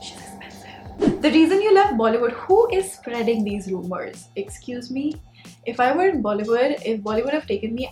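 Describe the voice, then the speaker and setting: A young woman with an Indian Punjabi accent chatting casually and candidly as a beauty vlogger answering questions. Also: mid-range voice. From Mumbai, India. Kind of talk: casual chatty Q&A while doing makeup. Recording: roomy echo, music behind.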